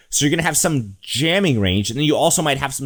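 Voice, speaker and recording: In a plain, everyday voice, a man speaks at a fairly high pitch with lively intonation on a very clean recording, silent background. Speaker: poker coach. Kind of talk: tutorial.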